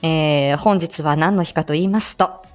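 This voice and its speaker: Woman streamer chatting away, laughs a lot, lowish voice, quiet music behind. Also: moderate pace. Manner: chatty, laughs often, many fillers. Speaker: live stream host and voice actor. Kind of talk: casual live-stream chat reading viewer comments.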